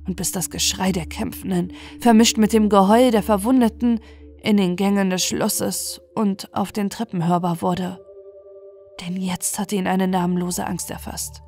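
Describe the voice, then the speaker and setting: A woman reads a scripted bedtime fairy tale in a measured, expressive storytelling manner. Her voice is mid-range and creaky.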